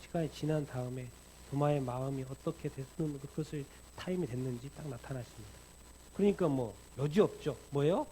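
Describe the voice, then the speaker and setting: A middle-aged pastor preaches in Korean, his mid-range, dark-toned voice moving briskly as he fires off rhetorical questions and animatedly acts out quoted lines. The recording is low quality, with faint background noise.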